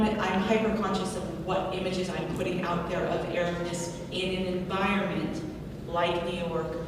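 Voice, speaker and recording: A woman from Palestine talks earnestly on a panel, thinking aloud and restarting her sentences. Her voice sits low. She is picked up from far off in a large, echoey hall. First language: Arabic. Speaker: playwright on a panel. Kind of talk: panel discussion. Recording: echoey hall, distant mic, background noise.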